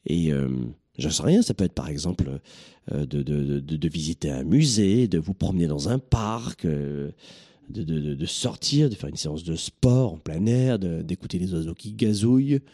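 Husky, animated motivational speaker man. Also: low-pitched, normal speed. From southern France. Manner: energetic, joking, teasing the listener. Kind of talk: motivational talk to an audience.

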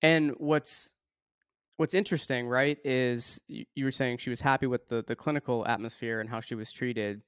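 Upbeat male podcast host, smooth voice. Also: mid-range voice, steady tone, moderate pace, a bit bright, no echo, studio quality. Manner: upbeat, repeats words while forming questions. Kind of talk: conversational podcast interview.

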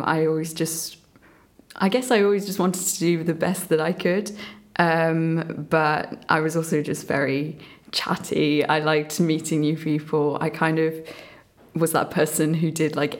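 A young woman, a medical student guest, chatting eagerly in an interview with lots of fillers. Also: sits low. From Burma. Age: young adult. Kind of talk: casual interview chat.

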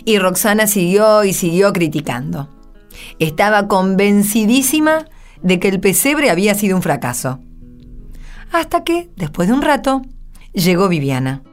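A woman's voice: medium pitch, lively intonation, normal speed. A woman reading scripted narration for a radio drama. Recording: soft guitar music behind. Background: acoustic guitar music.

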